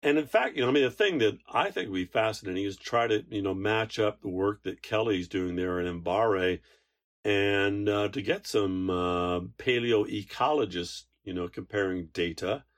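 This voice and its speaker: A man's voice: on the low side, moderate pace. A man co-hosting a podcast, chatting casually and rambling with many fillers and restarts. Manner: rambling, hesitant, lots of fillers. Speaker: podcast co-host. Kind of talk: casual chat. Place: Alaska.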